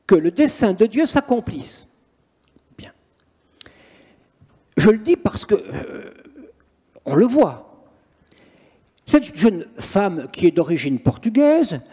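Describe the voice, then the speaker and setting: A man's voice: high-pitched, warm tone, slightly rough. A man, a priest and exorcist, telling stories in an interview in an emphatic, theatrical way. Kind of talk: interview, storytelling. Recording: long reverberant room echo.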